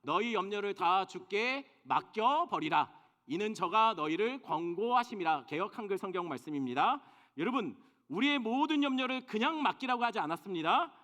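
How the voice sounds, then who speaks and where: Male pastor, sermon delivery, high voice, big swings in pitch, questions the pews. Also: normal speed. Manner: animated preaching, asks the congregation questions. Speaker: senior pastor. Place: church sanctuary.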